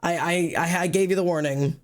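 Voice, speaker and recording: A man with a slightly higher voice, talking through a sniffly, stuffy nose on a live stream. He chats loosely as he draws, greeting and thanking viewers one after another and wandering through his thoughts with plenty of restarts. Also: steady tone, a little fast. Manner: chatty, greets and thanks chatters by name; loose, rambling with fillers and restarts. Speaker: livestream host. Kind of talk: casual live-stream chat while drawing.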